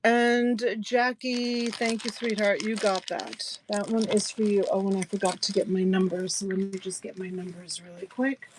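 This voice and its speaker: A woman's voice: mid-range voice, fairly even intonation, moderate pace, hardly any pauses, background noise. A woman in her early sixties chatting with viewers while selling jewelry live, laughing often and thanking buyers by name. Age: 60s. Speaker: live-stream jewelry seller. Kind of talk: casual live-selling chat.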